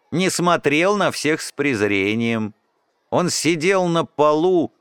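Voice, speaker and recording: A man narrating a children's audiobook in an expressive first-person storytelling way. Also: medium pitch, smooth, dry recording, clean studio sound.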